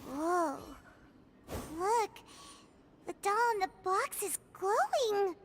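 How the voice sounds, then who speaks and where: Tiny squeaky fairy companion. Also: female voice, very animated, takes it slowly, full character voice. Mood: surprised, curious. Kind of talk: video game voice acting. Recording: loud game music underneath. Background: game music.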